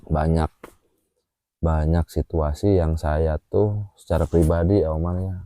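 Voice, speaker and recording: A man telling his personal experience in a casual chat, animated and full of fillers. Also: extremely low pitch, unhurried, no room sound. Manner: animated, with frequent filler "ah" and "A", acts out gestures while telling.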